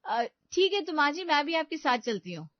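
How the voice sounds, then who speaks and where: A woman plays a young daughter-in-law in an animated family story, sounding suspicious and aggrieved. Her voice is high and complaining at a normal speed. The recording is dry and slightly dull.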